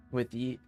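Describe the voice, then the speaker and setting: A gaming streamer doing casual live commentary, rambling and thinking aloud in an expressive way.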